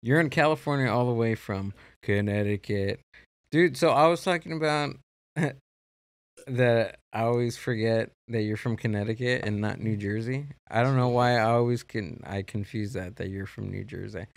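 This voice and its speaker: A man's voice: medium pitch, creaky, no room sound. A man hosting a casual podcast chat, rambling and restarting his sentences often in a studio. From Mexico. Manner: rambling, halting, many restarts. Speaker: podcast host.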